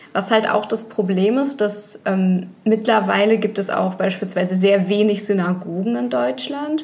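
There is audible echo in the room. Noticeable background noise runs underneath. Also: woman. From Germany. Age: 20s. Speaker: activist and student. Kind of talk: interview conversation. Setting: video call.

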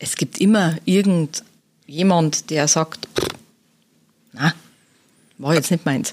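A woman with a fairly low pitch speaks very slowly, leaving long, frequent pauses, with ordinary pitch variation. The sound is dry and close, with no echo. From Germany, northern Upper Palatinate (Waldsassen). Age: 40s. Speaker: photographer. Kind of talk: interview. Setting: studio.

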